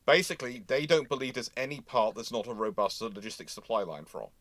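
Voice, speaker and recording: A man's voice: medium pitch, a little fast, a bit bright, no echo. A man hosting a casual live history discussion, giving opinionated, rambling explanations. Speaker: host of a live question and answer show.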